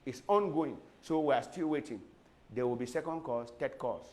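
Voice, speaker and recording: A man, a lawyer earnestly recounting events in an interview with measured, repetitive phrasing. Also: medium pitch, darkish tone. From Cameroon.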